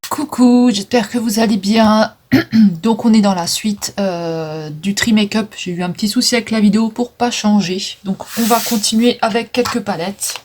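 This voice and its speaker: A woman's voice: medium pitch, steady tone, moderate pace, darkish tone, slight background noise. A woman chatting casually through a makeup declutter, with frequent fillers, stumbling over English names. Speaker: vlogger selling makeup. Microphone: phone.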